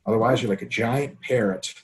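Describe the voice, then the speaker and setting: A man talks quickly and loosely, swearing freely and cracking jokes as he co-hosts an online webinar. His pitch sits in an ordinary middle range. He sounds like he is on a computer mic in a video call. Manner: fast, profane, joking. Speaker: webinar co-host. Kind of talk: casual chat, reading listener questions.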